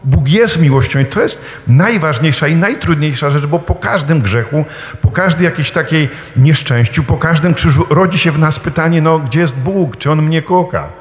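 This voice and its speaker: A man preaching a sermon in a lively storytelling manner, with rhetorical questions and touches of humor. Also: fairly high pitch, moderate pace, echoey room, big-room sound. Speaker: priest preaching.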